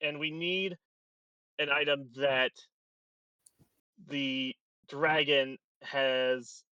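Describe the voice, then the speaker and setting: A man playing a tabletop game over an online call, his voice choppy and breaking up, halting as he searches for words. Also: medium pitch, fairly even intonation, bright, forceful tone, smooth, no echo. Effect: choppy, breaking-up online call audio. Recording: dull, distant voice over a weak internet call.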